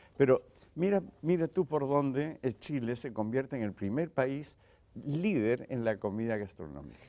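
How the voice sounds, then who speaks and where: Speaking at a fairly slow pace, a man uses a medium pitch, a dark, mellow tone and lively intonation. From Peru (Cusco), then Spain from age six. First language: Quechua (speaking Spanish). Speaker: chef. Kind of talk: interview conversation.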